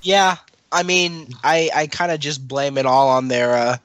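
A man's voice: fairly high pitch, measured pace, fairly bright tone, lo-fi sound. A young man co-hosting a casual podcast, telling stories and teasing his co-host in a chatty way. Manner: chatty, storytelling, playful teasing. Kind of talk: casual chat.

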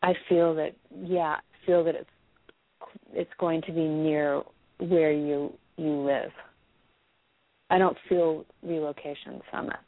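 Hoarse low-voiced woman psychic, phone-thin. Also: steady tone, takes it slowly, pauses often, no room sound. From United States. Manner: hesitant, many ums, then firm predictions. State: hoarse with a cold. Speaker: psychic reader. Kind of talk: live psychic reading with a caller. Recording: dry, phone-quality sound.

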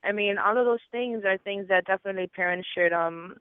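A man's voice: high voice, a little fast, clear, resonant tone, dry recording. A man from Miami hosting an interview in casual conversation, with many restarts and "you know", heard over a phone line. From Miami, United States. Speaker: host.

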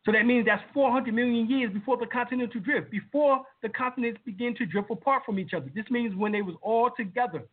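A man's voice: high voice, slightly rough. Emphatic man on a tinny call line. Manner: emphatic, with many fillers and rising heat. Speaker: lecturer and show host. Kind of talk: casual live-stream lecture. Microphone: video call.

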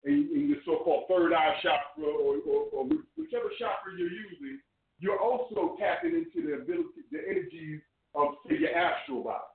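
A man's voice: on the high side, expressive, narrow, tinny audio. Man on an echoey speakerphone line. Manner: halting, repeats words often. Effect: on a phone speakerphone. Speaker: call-in guest. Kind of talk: casual spiritual discussion.

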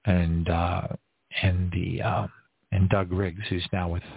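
A man hosting an online prayer service, talking in a rambling, halting way with many fillers and restarts and frequent little bursts of praise. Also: sits low, little pitch movement, creaky, slightly rough, no room sound. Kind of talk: casual unscripted church broadcast talk. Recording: tinny phone-like audio, soft music behind. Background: faint music.

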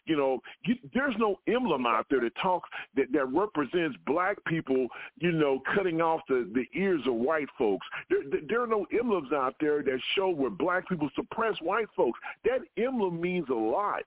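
A man hosts an opinion talk show and argues his case with force, stacking up repeated words as he goes. His voice sits a little high and swings widely in pitch. The sound is dry and narrow, like a phone line. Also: sing-song, normal speed, hardly any pauses, no room sound. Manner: emphatic, repeats words when interrupted. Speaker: radio show host.

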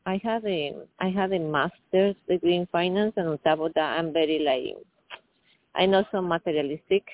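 A woman in her fifties calling in, talking haltingly with many fillers. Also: on the low side, dry recording. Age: 50s. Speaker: caller. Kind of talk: phone-in call. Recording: tinny phone line.

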